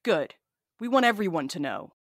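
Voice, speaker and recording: An actress playing a defiant, sarcastic, blunt courier in an audio drama, talking in a casual way. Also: female voice, fairly low pitch, big pitch swings, moderate pace, dry recording, studio quality. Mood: defiant, angry.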